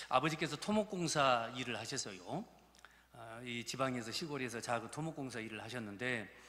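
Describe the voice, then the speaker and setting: A man's voice: medium pitch, bright, forceful tone. A man in his fifties, a pastor with a Jeolla Korean accent, preaching a folksy, joking sermon to his congregation in a church. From Gurye, South Jeolla, Korea. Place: church sanctuary. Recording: reverberant church hall.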